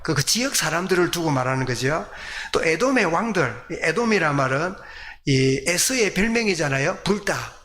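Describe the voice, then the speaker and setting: This South Korean man is preaching at a church service, teaching through questions he poses to the congregation and answers on his own. He speaks at a normal pace in a high-leaning, animated voice that sounds fairly bright.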